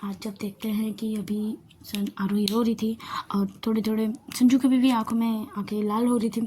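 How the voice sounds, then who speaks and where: A woman's voice: on the high side, flat delivery, normal speed, mellow, a little hiss or hum. A woman casually telling a love story aloud, rambling and often correcting herself.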